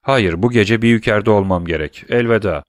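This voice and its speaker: A man's voice: fairly low pitch, moderate pace, no room sound, clean studio sound, lightly acted. A man voicing a courteous, self-assured travelling jeweler. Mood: confident.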